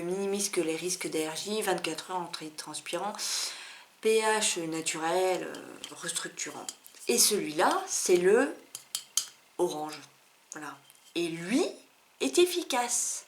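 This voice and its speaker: A woman's voice: medium pitch, a little hiss or hum. A woman vlogger chatting casually through a review of finished beauty products, candid and full of asides and fillers.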